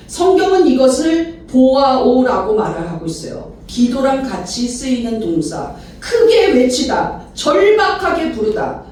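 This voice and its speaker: A woman pastor preaches with lively energy, her voice pitched high and throwing itself into the cries of the people she describes. She sounds set back from the microphone, with a heavy wash of reverb from a large church hall and a faint hiss of the room behind her. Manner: animated preaching, acts out quoted cries. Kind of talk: sermon at a church retreat. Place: church sanctuary. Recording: echoey hall, mic at a distance.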